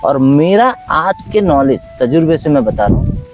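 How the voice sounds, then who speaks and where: Animated high-voiced male dance teacher. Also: moderate pace, dull audio, faint music behind. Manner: animated, acts out little scenes in other voices. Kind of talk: philosophical conversation. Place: outdoors under a tree.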